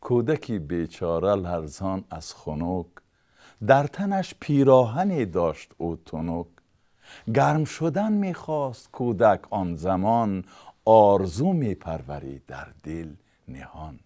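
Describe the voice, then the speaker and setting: Reciting a lengthy narrative poem, this low-voiced narrator sounds very animated and dark in tone. He has a Tajik accent and chants the verses in a rhythmic, sing-song manner.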